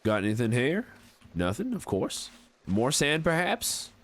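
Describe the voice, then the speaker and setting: A man's voice: medium pitch, very animated, measured pace, voice pushed up. A man in his forties putting on an American Southern accent as a folksy, amiable frontier fellow with courtly phrasing, chatting casually on a game livestream. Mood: amiable, chatty. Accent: put-on American Southern. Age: 40s. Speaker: game streamer. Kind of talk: casual livestream chat in character.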